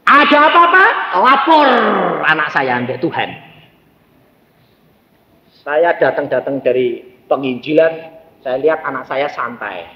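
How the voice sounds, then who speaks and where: A male evangelist with a Javanese accent preaching a sermon, swinging between loud high bursts and hushed asides. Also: unhurried, long pauses, in a large hall, dull audio, slight background noise. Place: large church hall.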